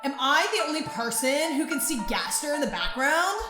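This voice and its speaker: A woman's voice: high voice, big pitch swings, normal speed, music in the background. A woman voicing an eager, nosy fan, reading messages for a comic dub in an echoey room.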